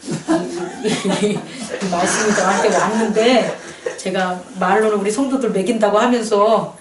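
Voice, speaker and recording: A woman's voice: medium pitch, unhurried, a little hiss or hum. A woman pastor preaching a sermon, drawing answers from her congregation with questions. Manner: animated preaching with call-and-response questions. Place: small church. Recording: echoey church hall, mic at a distance.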